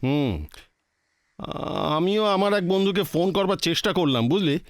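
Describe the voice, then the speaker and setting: A man's voice: high voice, expressive, no echo, clean studio sound. An actor playing a teasing, mildly strict but indulgent middle-aged father in a film family drama, musing with hums. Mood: teasing, relaxed. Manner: chuckling, drawn-out musing with hums and English phrases. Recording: film dialogue under loud music.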